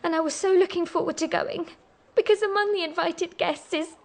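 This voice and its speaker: A woman's voice: very high-pitched, steady tone, a little fast. An actress playing an eager, emotional young woman confiding in her grandfather in a radio drama. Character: young granddaughter, lovesick and tearful.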